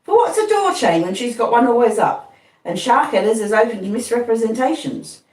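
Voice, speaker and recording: A woman doing a slow, earnest blacksmith. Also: a little high, sing-song, a little mellow, pitched above the performer's own voice. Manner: plodding rustic speech, earnest and repetitive. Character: kindly slow-spoken blacksmith man, middle-aged. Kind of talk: audiobook reading. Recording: roomy, distant mic.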